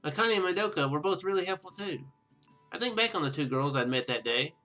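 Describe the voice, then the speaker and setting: A man with a fairly high, bright and forceful voice reads a visual novel aloud over clear background music. He mixes narration with casual commentary, often tripping on a line and correcting himself. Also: lively intonation, a little fast. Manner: stumbles over read lines and corrects himself. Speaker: gaming video host.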